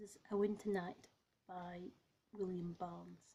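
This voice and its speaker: Her tone is dark and mellow, somewhat breathy, at a medium pitch for a woman. She speaks at a fairly slow pace with monotone, flat intonation. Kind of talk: poetry reading.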